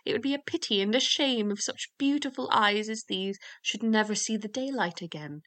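A fairy-tale inn hostess read by a woman, at a medium pitch. She chides and cautions, concerned and full of pity. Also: normal speed, fairly bright tone, close to an everyday voice. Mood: concerned, chiding. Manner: chiding, pitying. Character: concerned, cautioning innkeeper's wife.

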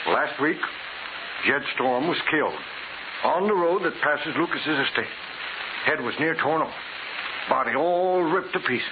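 An actor playing a folksy, plainspoken rural sheriff and farmer with rustic grammar and a drawl, in a 1940s radio drama. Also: male voice, fairly high pitch, expressive, measured pace, pauses often, narrow, tinny audio. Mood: grave storytelling. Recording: noisy, hissy, thin 1940s radio recording.

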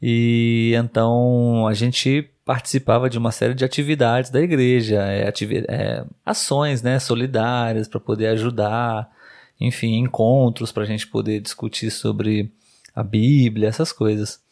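A man's voice: mid-range voice, steady tone, a little slow, darkish tone. Brazilian man hosting a casual podcast. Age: 30s. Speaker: podcast host and Portuguese tutor. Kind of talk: casual chat for language learners.

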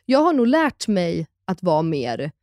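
A woman in her thirties co-hosting a casual chat podcast, telling stories in a lively way and acting out what people said. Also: lowish voice, no echo, clean studio sound. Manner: animated storyteller who acts out quoted voices. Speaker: podcast co-host.

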